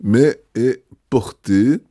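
A man, a bishop answering interview questions in a thoughtful, hesitant way with many pauses. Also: mid-range voice, dark tone, no echo, studio quality.

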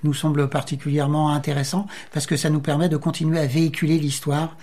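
A man's voice: fairly high pitch, little pitch movement, quick pace, darkish tone. A man, an association's treasurer, explaining things earnestly as a radio guest, with many hesitations. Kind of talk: radio interview.

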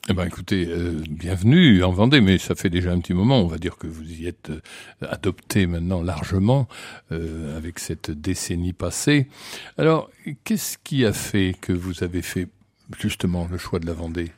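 Deep voiced guy hosting a radio chat, lots of um-ing, dry studio sound. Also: moderate pace, a little mellow, no echo. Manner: hesitant, many filler sounds. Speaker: radio host. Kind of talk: radio interview.

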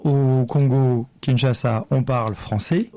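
Male radio host, gravelly and dark, dry studio sound, relaxed questions. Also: medium pitch, unhurried, no echo. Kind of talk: radio interview, casual.

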